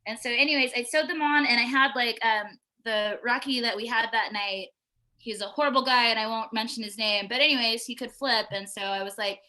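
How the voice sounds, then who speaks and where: A woman with a very bright, fairly high voice chats casually over a video call. She tells stories in an animated, slangy way and drops in swear words without fuss. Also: fairly quick, poor audio. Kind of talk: casual group chat.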